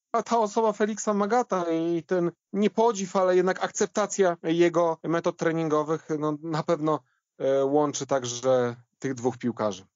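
Higher-voiced man, dry dull recording. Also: darkish tone, no echo. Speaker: podcast guest, football commentator. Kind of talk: casual football discussion.

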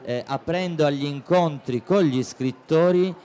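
A man's voice: fairly high pitch, a little slow, mellow, a little hiss or hum. A man interviewing a guest at a book fair stand, asking long, chatty questions into a handheld mic.

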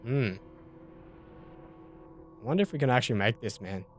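A young Australian man mutters through a casual let's play, talking to himself in a voice of ordinary pitch and now and then dropping a mild curse. Faint game music plays behind him. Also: expressive, normal speed. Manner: casual, muttering thoughts aloud with mild swearing. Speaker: gaming YouTuber.

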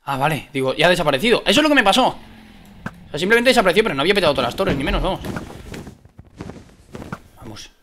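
A man with a Spain Spanish accent gives excited gameplay commentary, swinging from muttering to loud shouts. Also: sits high, fast, pauses often. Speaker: gaming video creator.

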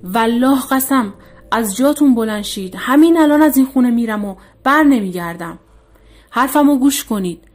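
A woman's voice: mid-range voice, natural voice. Woman voicing a stern male exorcist. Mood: commanding. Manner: commanding, stern.

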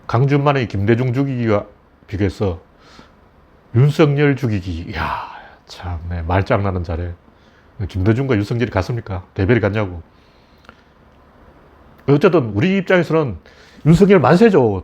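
A man's voice: mid-range voice, darkish tone. A middle-aged man giving casual, blunt political commentary with scornful, mocking asides. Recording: dull lo-fi recording.

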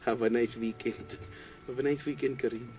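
A man's voice: mid-range voice, fairly even intonation, normal speed, darkish tone, soft background music. A man with a Filipino accent working as a radio DJ, bantering and greeting listeners in a giggly, playful way. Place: small radio studio. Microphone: studio boom mic with headphones.

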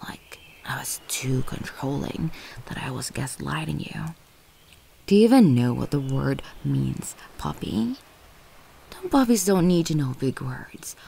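A woman playing a possessive, manipulative ex-girlfriend in an ASMR audio roleplay, condescending and volatile, with teasing, lingering, breathy delivery. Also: very deep voice, very animated, a little slow, dark tone, heavily acted. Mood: cooing, controlling. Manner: condescending, teasing, lingering on words, often breathy half-whispers.

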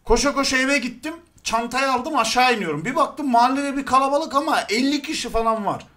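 A young man hosting a casual chat, telling stories in an animated, crude, joking way. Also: very high voice, brisk. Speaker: show host.

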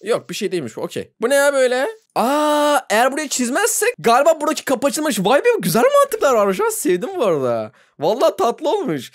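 Excitable young man narrating a game. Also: very high voice, quick pace, hardly any pauses. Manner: excitable, laughs a lot, shrieks when surprised. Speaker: gaming YouTuber. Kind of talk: let's play commentary.

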